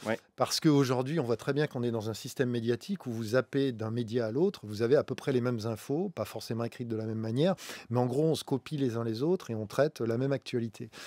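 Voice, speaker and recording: Talking at a very fast pace with hardly any pauses, a man shows ordinary pitch variation over a quiet background, the sound dry with no echo. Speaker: head of an investigative journalism unit; guest. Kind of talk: live interview. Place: studio. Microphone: studio mic.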